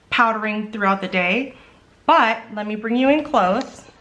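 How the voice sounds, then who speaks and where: A woman talks at a fairly slow pace in a fairly high pitch, her tone bright and sharp, with ordinary pitch variation. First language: not English. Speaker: beauty vlogger. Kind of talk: product review vlog. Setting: indoors at home. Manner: casual, with hesitations.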